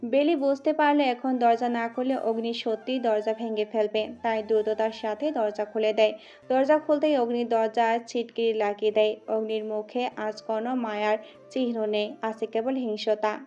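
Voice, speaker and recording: A woman narrating a dramatic audio story with steady, scripted storytelling. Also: a little high, moderate pace. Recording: muffled audio with background music.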